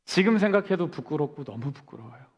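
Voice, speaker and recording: Man, 40s, pastor giving a storytelling sermon, lively delivery with the long reverb of a church hall. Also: a little high, fast, slightly rough, highs cut off. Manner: storytelling, asks the congregation questions and answers them. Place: church sanctuary.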